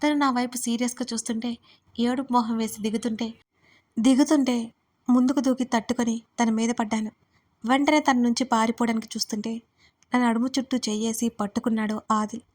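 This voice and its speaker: A woman narrating a first-person romance story for an audiobook, in an expressive, dramatic way. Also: fairly high pitch, brisk.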